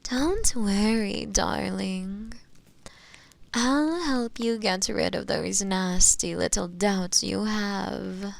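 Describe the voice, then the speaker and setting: A woman playing a seductive, possessive witch in an intimate audio roleplay, sweetly menacing and coaxing, with breathy murmurs that slip into whispers. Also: mid-range voice, drawn-out words.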